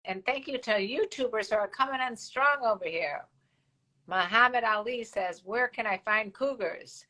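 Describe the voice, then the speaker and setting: A woman's voice: on the high side, moderate pace, bright, forceful tone, low-quality recording. An older woman co-hosting a live stream, chatting frankly and bawdily and reading out viewer comments. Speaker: co-host of a live stream show. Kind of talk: casual chat.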